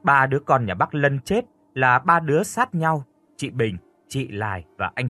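A man narrating a scripted first-person horror story in an expressive storytelling voice. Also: medium pitch, normal speed, dry recording.

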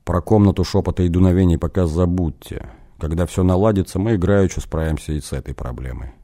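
A man's voice: low voice, fast talker, mellow, lightly acted. A man voicing a sheepish young novice sorcerer who answers hesitantly and defensively. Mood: solemn.

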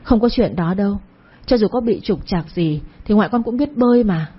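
A woman's voice: mid-range voice, animated, moderate pace, breathy edge, lo-fi sound. A woman voicing a distraught young village woman. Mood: pleading. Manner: pleading and distraught.

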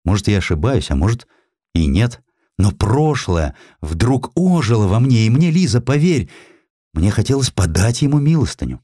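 A man performs an aging, passionate scholar in a dramatised audiobook. His delivery is emphatic and stubborn, with very animated intonation on a lowish voice. The sound is dry and intimate. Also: moderate pace, no echo. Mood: agitated, haunted.

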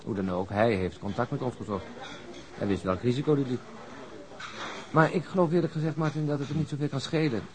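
A man's voice: medium pitch, a little fast, long pauses, darkish tone, lightly acted. A man acting as a wry, easygoing police detective in a naturalistic radio drama, conversational and drily teasing. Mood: frank, reflective.

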